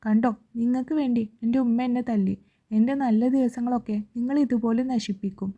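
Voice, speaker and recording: A woman's voice: fairly high pitch, fairly even intonation, fairly quick, dark tone, dull audio. A woman voicing a spoiled young sister. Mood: angry. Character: sulky young sister, sharp-tongued and spoiled.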